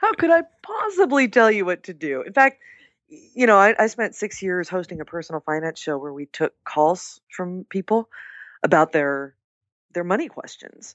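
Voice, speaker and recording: An ordinary speaking voice from a woman at medium pitch, lively intonation, a moderate pace and big swings in loudness. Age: 40s. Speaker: journalist and author, former radio host. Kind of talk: casual interview chat.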